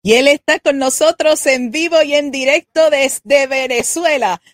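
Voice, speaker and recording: A woman's voice: fairly high pitch, no room sound, clean studio sound. A woman hosting a live talk show interview, introducing her guest and asking questions with effusive praise. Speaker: host.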